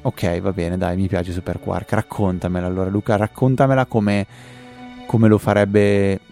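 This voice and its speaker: A man's voice: deep voice, level tone, moderate pace, mellow, faint music behind. A man with an Italian accent co-hosting a podcast in casual, chatty banter. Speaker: podcast co-host.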